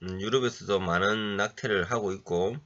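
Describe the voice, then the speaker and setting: A man preaching a halting lecture-style sermon while he has a cold, often clearing his throat and pausing on fillers. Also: on the low side, a bit bright. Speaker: pastor. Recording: dull lo-fi recording.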